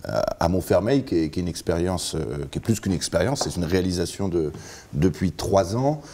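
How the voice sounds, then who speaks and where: A man hosting a panel discussion, who speaks haltingly with frequent fillers. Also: sits low, expressive, mellow. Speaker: host.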